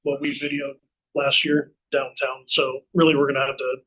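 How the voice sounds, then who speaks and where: A man's voice: mid-range voice, monotone, normal speed, slightly rough. A man answering questions as city staff, explaining informally in a meeting. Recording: dull, band-limited meeting audio.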